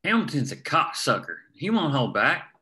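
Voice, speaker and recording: A man's voice: fairly high pitch, sing-song, moderate pace, pushed and bright, voice pushed up, full character voice. A man reading a crude, hard-bitten tough. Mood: grim. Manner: crude and confident. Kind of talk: table read.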